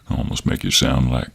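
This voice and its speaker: A man playing a cocky, flirtatious and menacing cowboy monster hunter in an audio roleplay, with a very deep, gravelly voice and a slow American cowboy drawl. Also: a bit bright. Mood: flirtatious, smug. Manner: slow, teasing drawl with terms of endearment. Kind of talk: intimate scripted audio roleplay.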